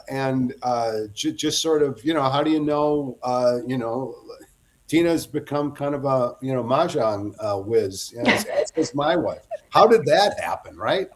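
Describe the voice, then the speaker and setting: A man's voice: mid-range voice, expressive, unhurried. A middle-aged man, a guest author, telling long rambling anecdotes in a casual interview and often breaking off to restart.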